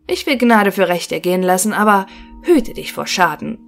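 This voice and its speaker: Young craftsman son in a fairy tale, proud, firm, confident, read by a woman, soft music under. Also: medium pitch, lively intonation, moderate pace, gravelly. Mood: stern.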